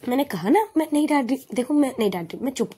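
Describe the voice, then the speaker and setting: A woman voicing a caring young woman who fusses and gently scolds her partner in a spoken love story. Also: high-pitched, expressive, quick pace, slightly rough, voice pushed up, exaggerated voice. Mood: fussy. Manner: fussy, protective, breezy.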